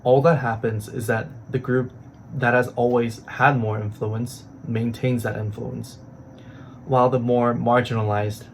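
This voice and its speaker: A man reading scripted explainer narration in a measured, serious way. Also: medium pitch, level tone, slight background noise, low-quality recording.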